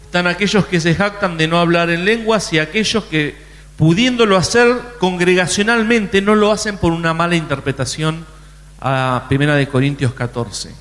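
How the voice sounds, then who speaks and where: A man's voice: high voice, normal speed, a bit bright, big-room sound. A man preaching a sermon in a conversational way, often restarting his sentences. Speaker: pastor.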